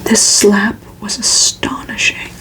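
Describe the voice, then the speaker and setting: A woman reading gothic fiction aloud in a soft, steady, unhurried ASMR whisper. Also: rough recording.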